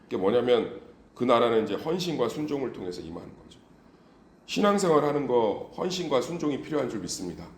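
A man preaching a sermon as pastor, exhorting his congregation in an animated way. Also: mid-range voice, fast, roomy sound.

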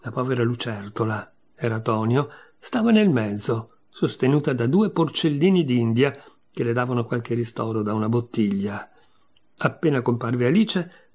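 A man narrating a classic storybook in a measured, expressive reading. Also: mid-range voice. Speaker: audiobook reader.

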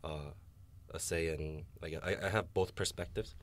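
A man's voice: deep voice, steady tone, moderate pace, fairly bright tone. A young man, a university student, talking frankly and reflectively in a casual discussion, with some self-deprecating humor. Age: young adult.

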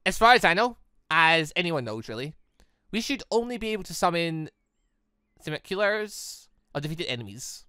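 A host reading a composed older sister's lines in a quieter, lower, measured voice. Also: sing-song, clear, resonant tone, no room sound, studio quality. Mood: stern.

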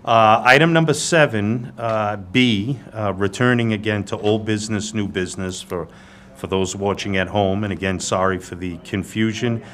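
A man chairing a licensing board meeting, reading motions in a measured, procedural way. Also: lowish voice, a bit bright. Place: city hall hearing room. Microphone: table microphone. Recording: noisy government TV meeting audio.

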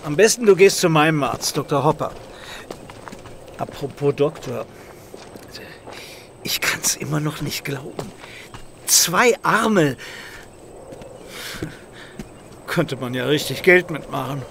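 High-voiced, jittery skeptical buddy. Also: male voice, lively intonation, measured pace, gravelly, pauses often, a bit bright, a little hiss or hum, heavily acted. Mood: weary, incredulous. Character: jittery, skeptical male film-business friend of a demon hunter. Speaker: actor in an audio drama. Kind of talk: naturalistic German horror radio drama acting.

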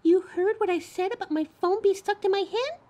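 A woman's voice: very high voice, brisk, mellow. A woman playing a flustered, defensive young thief with electric powers in an audio drama, chatty and indignant. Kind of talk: scripted audio drama, one side of a phone call. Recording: clear background noise, coffee house ambience.

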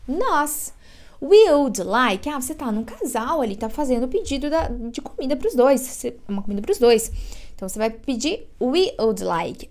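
A Brazilian woman with a Brazilian Portuguese accent teaching English vocabulary to Portuguese speakers, drilling words slowly for the viewer to repeat and adding chatty asides. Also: a little high, a little mellow. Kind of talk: bilingual vocabulary lesson.

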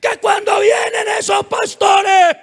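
A man voicing an angry young woman who shouts indignantly at her father, in a high, strained voice. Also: little pitch movement, takes it slowly, big-room sound, a faint crowd, exaggerated voice.

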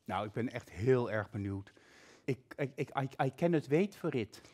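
A woman's voice: extremely low pitch, expressive, moderate pace, dark tone, husky. A woman hosting a live online nail workshop, her voice swinging widely up and down as she talks. She keeps the chat enthusiastic and reads out viewer comments one after another. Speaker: workshop host.

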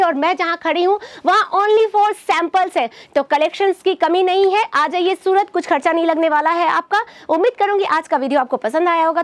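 A woman's voice: high voice, dry recording. A young woman presenting sarees in a shop with upbeat sales patter, talking to viewers as friends. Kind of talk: promotional product showcase. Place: saree shop lined with stacked fabric, indoors.

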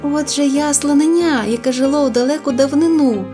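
A tiny lost mammoth calf from a storybook, eager and tearful, pleading in a high childlike voice, as a woman puts it on. The speech is slow and mellow, with soft music playing faintly behind.

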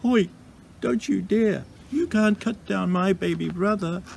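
A feisty little female tree from a children's storybook, acted out by a man. The voice is bold and protective, lifting high into yells and sing-song threats, with a slightly gravelly edge. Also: a little slow, slight background noise, exaggerated voice. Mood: defiant, protective. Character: small, stout, feisty female kowhai tree, protective sister.

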